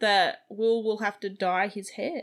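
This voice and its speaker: A woman speaks in a fairly high pitch with an Australian accent. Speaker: podcast co-host. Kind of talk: casual chat. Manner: animated.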